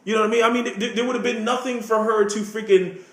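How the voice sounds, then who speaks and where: A man giving a heated, profane opinion rant as a vlogger, speaking in an animated way. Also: sits high, fast talker. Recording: roomy echo.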